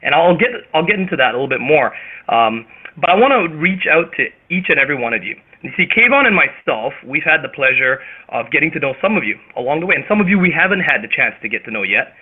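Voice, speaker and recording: A man with a Canadian accent hosting a motivational group conference call, speaking emphatically and theatrically with dramatic pauses. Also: a little high, big pitch swings, husky. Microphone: phone or web conference call. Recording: tinny phone-line radio sound.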